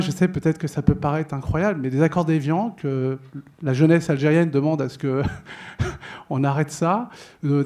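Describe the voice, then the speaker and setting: A man's voice: on the high side, warm tone. Hesitant man asking a rambling question. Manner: rambling, hesitant, many fillers. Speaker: audience member. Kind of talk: question from the floor.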